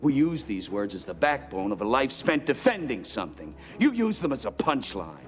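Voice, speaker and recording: An actor playing a scornful Marine colonel. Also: male voice, mid-range voice, sing-song, normal speed, faint music behind, close to an everyday voice. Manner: forceful, hammering delivery. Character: commanding, scornful male Marine colonel on the stand. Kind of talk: film courtroom drama.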